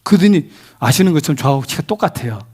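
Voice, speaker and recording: A middle-aged male pastor gives a sermon in a church. His voice sits fairly high and swoops up and down as he tells stories. He keeps asking the congregation questions. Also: expressive, brisk, darkish tone, breathy edge. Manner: storytelling preacher, asks the congregation questions. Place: church sanctuary.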